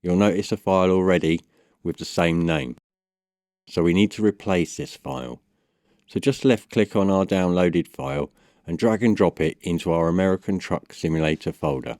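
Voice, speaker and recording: Man, deep voice, dry close sound, measured tutorial voice-over, instructional. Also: darkish tone, dry recording. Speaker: tutorial presenter. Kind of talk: step-by-step software tutorial voice-over.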